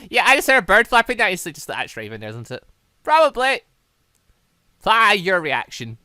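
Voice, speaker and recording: A man gives casual commentary for a gaming series in a bright voice recorded very dry. His pitch moves around a lot. He rambles and hesitates, working out his thoughts as he speaks. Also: huge pitch swings, fast, clean tone, no echo. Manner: rambling, hesitant, thinking aloud. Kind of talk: casual let's-play commentary.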